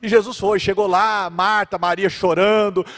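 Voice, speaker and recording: A man preaching a sermon as pastor, dramatically acting out biblical characters and swinging between loud and quiet. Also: steady tone, normal speed, long reverb tail. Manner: dramatic, acts out biblical characters with big swings in pitch and volume.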